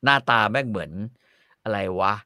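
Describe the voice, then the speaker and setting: A man's voice: on the low side, expressive, normal speed, bright, forceful tone, no echo, clean studio sound. A man chatting casually and bluntly, often stalling with fillers while hunting for words. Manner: loose and profane, hunts for words with many fillers. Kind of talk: casual chat.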